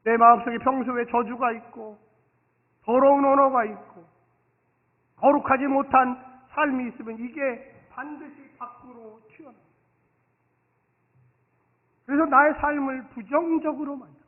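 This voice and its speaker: A man preaching a Sunday sermon as pastor, animated, swinging from soft asides to loud exclamations and leading the congregation to repeat after him. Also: extremely high pitch, normal speed, long pauses. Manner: acts out dialogue and leads the congregation in call-and-response. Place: church sanctuary. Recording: reverberant hall, thin phone-like sound.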